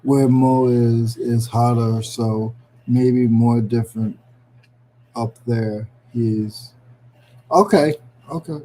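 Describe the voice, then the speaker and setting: Slight background noise sits behind a man's slow, mellow, medium-pitched voice, steady in tone and often pausing. With a New England accent, he hosts a casual livestream, greeting viewers by name and joking about himself in a chatty way.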